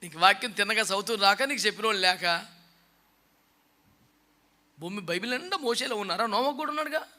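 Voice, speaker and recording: A man's voice: high voice, fairly quick, long pauses, sharp tone. A man preaching a sermon in a scolding, mocking way, often acting out the people he quotes. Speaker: pastor. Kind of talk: fiery sermon.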